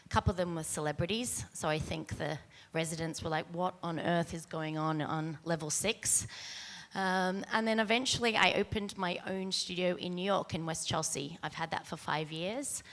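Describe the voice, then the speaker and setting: A soft-spoken woman with an Australian accent, introducing herself as a panelist on a stage before an audience, speaking into a handheld mic. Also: lowish voice, normal speed. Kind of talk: panel talk. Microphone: handheld mic, far camera.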